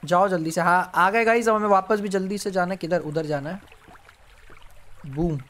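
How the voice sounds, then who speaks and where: A man streaming a horror game live, yelping, pleading and hushing as a monster comes near. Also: sits high, normal speed, slight background noise. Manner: jumpy, yelps and pleads with the monster, then hushes to a whisper. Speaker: gaming streamer. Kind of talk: live gameplay commentary.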